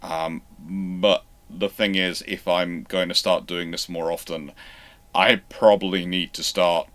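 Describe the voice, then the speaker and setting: A man with a fairly low voice and a bright, forceful edge hosts a live question session. He talks off the cuff, rambling and often doubling back to restart a phrase. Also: steady tone, slow. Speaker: host of a naval history livestream. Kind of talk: unscripted livestream Q&A, answering viewer questions.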